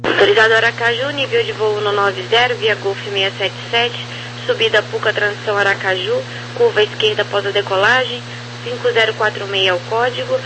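Brazilian guy doing tower clearances on radio, really high voice, static and hum behind. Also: fairly even intonation, a little fast. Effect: aviation radio. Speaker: air traffic controller. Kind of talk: clipped air traffic control phraseology. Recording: noisy, humming radio transmission.

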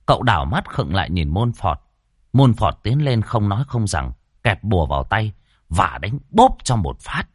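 A man narrating a ghost story in a colloquial, expressive way. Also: lowish voice, normal speed, breathy edge, no room sound, studio quality.

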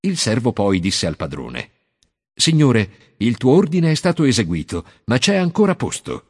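A man reading the part of Jesus, a grown man who teaches with calm authority in a measured, solemn cadence. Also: mid-range voice, breathy edge. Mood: solemn teaching. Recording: long hall reverb.

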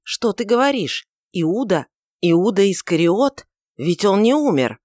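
A woman reading aloud and voicing a grown male rebel, stunned and fearful, breaking into hoarse exclamations. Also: a little high, a little slow, dry recording, studio quality, pitched above the performer's own voice, natural voice. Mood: shaken. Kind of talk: audiobook reading of a dramatic novel.

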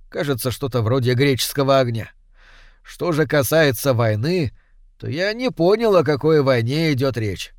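A man reading a story aloud in a measured storytelling voice. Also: medium pitch, no echo, clean studio sound. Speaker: audiobook reader. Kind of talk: scripted narration.

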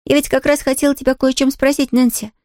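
A woman voicing an earnest young orphan girl in an audiobook, speaking with bright, emphatic sincerity. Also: high-pitched, flat delivery, quick pace, no room sound, studio quality, pitched above the performer's own voice. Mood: anxious. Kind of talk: audiobook character reading.

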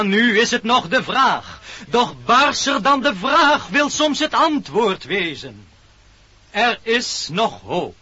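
A man's voice: very high voice, pushed and bright, exaggerated voice. A man playing a pompous, mournful snail who preaches in a flowery, solemn sermon manner in a radio play. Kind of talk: theatrical radio play acting. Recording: dull old radio recording.

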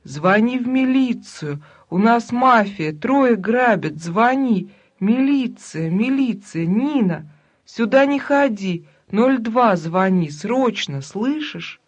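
A reader voicing a frightened old grandmother who shouts urgently for help, her voice raised and shrill. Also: big pitch swings, slow pace, vocal fry, few pauses, husky, highs cut off, full character voice. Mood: panicked. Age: older. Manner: loud, urgent, shrill pleading.

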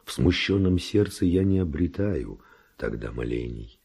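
An actor playing a bold, passionate Spanish nobleman and seducer in a verse radio drama, declaiming ardently in a gravelly, husky voice. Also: rumbling low, a little mellow, exaggerated voice. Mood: reverent, ardent.

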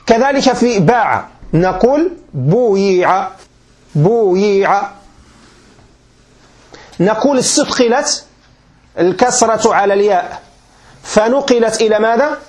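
Male teacher, Moroccan accent, high pitch; patient classroom lecturer who quizzes students often. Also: lively intonation, moderate pace. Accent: Moroccan Arabic. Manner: quizzing listeners with frequent check questions; patient, repeats and restarts points. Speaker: sheikh teaching grammar.

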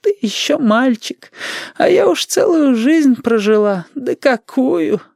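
Man doing a creaky, shrill old granny. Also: animated, takes it slowly, a little mellow, dry recording, exaggerated voice. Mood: querulous. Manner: drawling, sing-song, high put-on voice. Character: grumbling old grandmother, nosy and sly.

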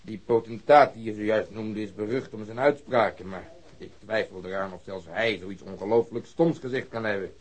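Sardonic, irate police detective with a husky edge. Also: male voice, lowish voice, normal speed. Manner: sardonic interrogation, swearing. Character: sarcastic, irate male police detective, middle-aged superior. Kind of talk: radio drama dialogue.

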